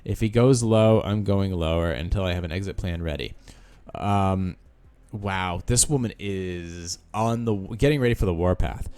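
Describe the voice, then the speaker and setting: A man's voice: deep voice, normal speed, a little mellow, clean tone. A male podcast host reads a listener's post aloud and breaks in with sarcastic asides. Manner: sarcastic asides between read lines. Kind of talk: reading a post aloud with commentary.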